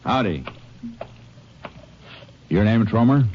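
Very deep, terse lawman. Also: animated, slight background noise. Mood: hard, pressing. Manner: terse, commanding, deliberate. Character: stern, dogged Texas Ranger investigating a bank killing. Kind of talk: 1950s western radio drama acting with first-person narration. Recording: dull old radio recording with music.

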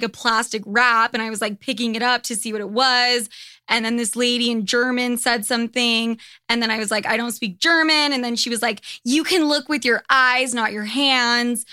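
Bright-voiced, foul-mouthed young woman podcaster. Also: a little high, no echo, clean studio sound. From United States. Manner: profane, candid, animated storytelling. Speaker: podcast host. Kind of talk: casual podcast monologue.

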